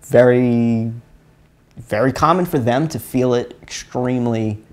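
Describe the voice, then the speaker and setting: A man with a Chalmette Louisiana accent talks at a middle pitch as he leads a casual live stream. He rambles, restarts his sentences and repeats words as he walks viewers through an exercise. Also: measured pace. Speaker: live stream host teaching energy healing.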